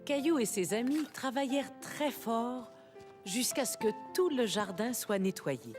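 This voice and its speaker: A woman playing the kindly storyteller of a preschool cartoon, narrating in clearly phrased sentences. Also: a little high, lively intonation, a little slow. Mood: kindly storytelling. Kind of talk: scripted children's story narration. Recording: loud music behind the narration.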